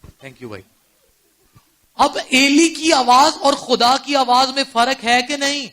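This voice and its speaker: A male pastor with a Pakistani accent preaching a sermon in church, firing rhetorical questions at the congregation and swinging between quiet storytelling and loud exclamations. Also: very high voice, lively intonation. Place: church service before a congregation.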